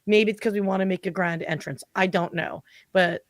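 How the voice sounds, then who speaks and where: A woman's voice: medium pitch, a little fast, no echo, clean studio sound. A woman in her forties, a guest on a podcast, talking casually and animatedly with lots of filler words. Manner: chatty, animated, full of "like" fillers. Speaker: podcast guest, marketing consultant. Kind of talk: casual interview chat.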